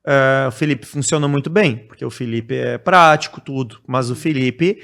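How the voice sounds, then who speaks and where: A man from Brazil, a podcast guest talking casually in a blunt, direct way and growing animated when he explains. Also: mid-range voice, moderate pace, gravelly. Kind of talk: casual conversation.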